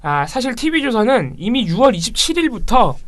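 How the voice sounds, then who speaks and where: Wry man with an animated voice. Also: very high voice, moderate pace, dry recording. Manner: wry, relaxed commentary. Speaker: media monitoring activist. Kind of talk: casual chat.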